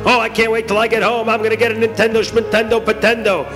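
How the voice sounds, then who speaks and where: A man voicing excited, boastful schoolboys in a comic story, eager, pushy and clamoring. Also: high-pitched, fast talker, big-room sound, faint music behind. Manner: yelling, eager.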